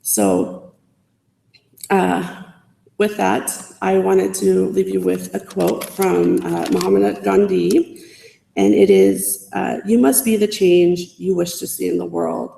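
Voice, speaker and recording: Woman student giving a speech, super gravelly voice, kinda halting and heartfelt, echoey big hall. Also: on the low side, lively intonation, dark tone. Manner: heartfelt, halting with fillers and restarts. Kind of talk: public speech to college faculty. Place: large civic hall. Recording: echoey hall with long reverb.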